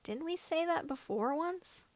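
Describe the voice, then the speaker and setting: A woman reading the part of an eager, earnest seventeen-year-old boy mechanic, chatty and excitable, in a fan fiction story. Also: very high voice, measured pace, no room sound, voice pushed up.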